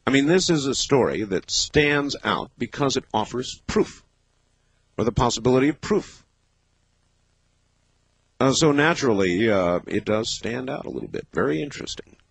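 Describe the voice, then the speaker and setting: A man of fifty hosting a late-night call-in radio show, talking in a thoughtful, measured way with many pauses and fillers. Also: mid-range voice, expressive, vocal fry, slightly rough, no echo. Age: 50s. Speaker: radio talk show host.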